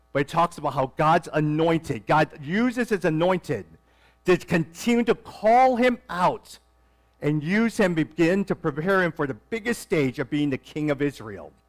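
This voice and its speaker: Loud and fairly slow, a man with a fairly high voice makes very wide pitch swings, recorded with a dry, close sound and no echo. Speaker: preacher and ministry leader. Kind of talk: sermon. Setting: church service with audience, livestreamed.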